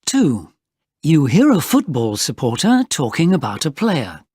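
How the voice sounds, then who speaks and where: A man reading listening-test instructions slowly and deliberately, every word clearly spoken. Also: fairly high pitch, huge pitch swings, a little mellow, dry recording, studio quality. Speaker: exam narrator.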